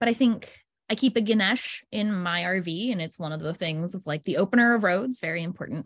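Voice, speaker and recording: Over a quiet background, a woman with a normal speaking voice talks at a moderate pace. Her pitch is fairly low and her intonation lively. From rural Appalachia, US. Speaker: photographer and artist. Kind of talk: interview conversation.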